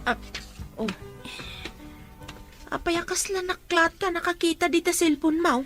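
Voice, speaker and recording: Actress as older household woman, high-pitched, exclamatory, expressive Ilocano drama delivery. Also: unhurried, soft background music. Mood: alarmed, insistent. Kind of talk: Filipino radio drama acting in Ilocano.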